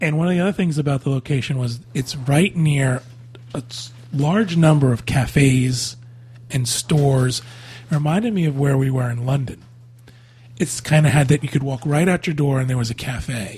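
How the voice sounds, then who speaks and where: A man speaks at a moderate pace with long, frequent pauses, his pitch fairly high and its variation ordinary. Noticeable background noise runs under his voice. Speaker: traveler sharing trip stories. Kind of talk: casual chat.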